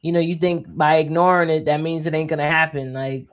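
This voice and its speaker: A woman's voice: low voice, steady tone, brisk. A woman in her forties co-hosting a podcast, chiming in with chatty, playful agreement in casual conversation. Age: 40s. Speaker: podcast co-host. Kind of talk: casual chat.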